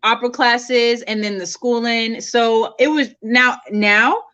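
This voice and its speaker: A woman's voice: a little high, fairly even intonation, takes it slowly, sharp tone, dull audio. A woman singer being interviewed, chatting casually and laughing often.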